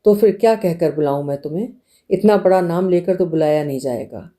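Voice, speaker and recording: A woman voicing a young bridegroom in an audiobook, gentle and pleading, asking soft coaxing questions. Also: fairly low pitch, a little fast, close to an everyday voice.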